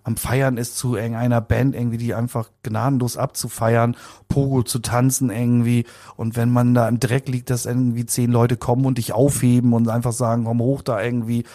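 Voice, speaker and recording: A man's voice: medium pitch, little pitch movement, fairly quick, mellow. A man of about fifty being interviewed, talking in a casual, rambling, colloquial way and often repeating words. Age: around 50. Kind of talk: casual conversational recollection.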